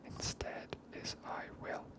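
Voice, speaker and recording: A game streamer speaks entirely in a whisper, giving ASMR commentary on play. The delivery is hushed and breathy, with the voice barely sounding at all. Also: takes it slowly.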